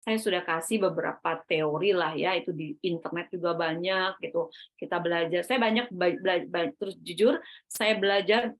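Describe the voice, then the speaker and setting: A woman giving a parenting seminar to parents, animated and full of rhetorical questions, sometimes acting out her own inner self-talk. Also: fairly low pitch, moderate pace.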